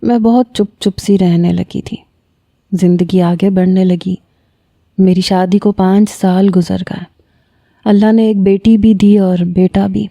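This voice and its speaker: A woman narrating a first-person romantic story in a steady, measured, reflective way. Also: medium pitch, dry recording.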